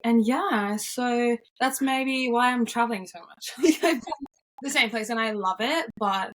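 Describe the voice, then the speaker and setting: A woman's voice: a little high, measured pace, a bit bright. A young woman from Norway, cheerful and upbeat, chatting casually as an interview guest, with frequent yeahs and ums.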